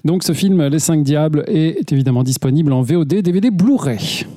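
A man with a mellow, slightly raised voice hosts a radio segment on films. He speaks conversationally, with fillers along the way. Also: on the high side, lively intonation, brisk, no room sound. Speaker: radio host. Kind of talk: radio film chronicle.

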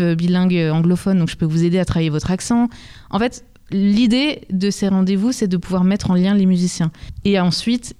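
A woman's voice: lowish voice, mellow, smooth. A woman answering as an interview guest for a music venue, explaining things in a conversational, welcoming way.

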